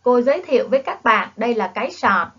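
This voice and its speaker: A woman's voice: on the high side, big pitch swings, quick pace, breathy edge. A woman teaching young children to read, in a coaxing phonics lesson that urges them to repeat after her, with a Southern Vietnamese accent. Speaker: primary school teacher. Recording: dull lo-fi classroom video audio.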